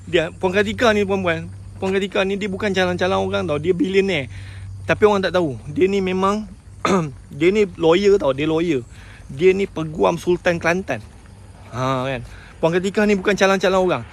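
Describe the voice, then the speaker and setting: A Malaysian man with a fairly high voice tells his story in a motivational live talk. He talks with feeling, keeps turning to his listeners and drops English words into his Malay. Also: moderate pace. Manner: emotional storytelling, addresses listeners as tuan-tuan, mixes in English words. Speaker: sales agent sharing his story.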